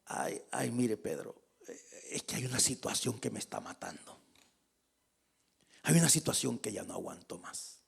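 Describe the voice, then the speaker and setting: A man preaching in Spanish, acting out an anxious guilty woman confessing in a hushed, pleading voice. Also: lowish voice, animated, normal speed, vocal fry, long pauses, slightly rough, pitched below the performer's own voice, heavily acted.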